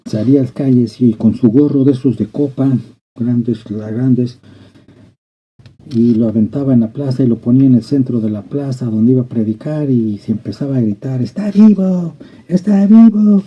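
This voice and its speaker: A man's voice: mid-range voice, steady tone, moderate pace, husky. A male pastor preaching a fervent sermon, often repeating and restarting phrases and calling out to the congregation. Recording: dull lo-fi sermon recording.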